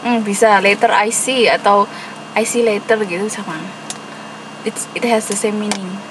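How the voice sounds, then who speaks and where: A woman with a Javanese accent teaches an English class, explaining grammar patiently at an easy pace. Her voice sits at a middle pitch. A clear hum of air conditioning runs behind her. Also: steady tone, measured pace. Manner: patient explaining, mixing English terms in, light laughs. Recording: noisy room with air conditioning.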